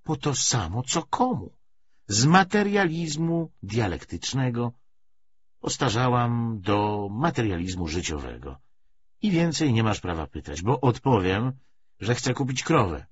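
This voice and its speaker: A man reading an audiobook, voicing a defiant, threatening woman with a sharp, insistent, sardonic manner. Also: mid-range voice, very animated, measured pace, pitched above the performer's own voice. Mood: cool, sardonic. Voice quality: hoarse, strained half-shout. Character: defiant, threatening woman bargaining hard for money. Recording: dull audiobook recording with faint noise.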